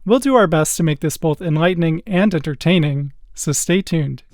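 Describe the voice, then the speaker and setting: A man's voice: fairly high pitch, normal speed, darkish tone, no room sound, studio quality. A man giving the scripted welcome to a student podcast, upbeat and announcer-like. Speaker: podcast host.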